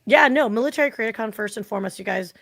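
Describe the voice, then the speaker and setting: A woman's voice: fairly high pitch, very fast, creaky, no echo, studio quality. A woman in her forties, a guest on a podcast, talking casually and animatedly with lots of filler words. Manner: chatty, animated, full of "like" fillers. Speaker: podcast guest, marketing consultant. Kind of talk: casual interview chat.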